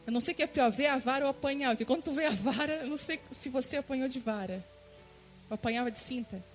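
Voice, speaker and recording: A woman's voice: high-pitched, fast, faint music behind, low-quality recording. A woman pastor from Brazil preaching a sermon in church, emotive, repeating words for emphasis and acting out her own prayers. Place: church service.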